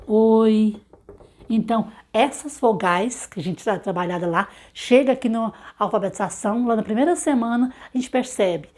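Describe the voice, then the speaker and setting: A middle-aged woman with a fairly high voice teaches parents how reading is learned. She poses questions and answers them herself. She stretches out syllables and example words slowly, one by one. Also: a little mellow. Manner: explains with rhetorical questions and slow sounded-out syllables. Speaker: literacy teacher. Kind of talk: instructional talk to parents.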